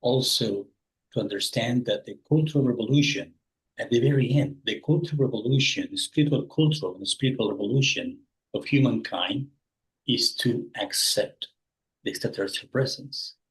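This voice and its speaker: A man's voice: mid-range voice, moderate pace, poor audio. A man in his sixties from Peru, answering interview questions and rephrasing as he searches for words. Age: 60s. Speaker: guest.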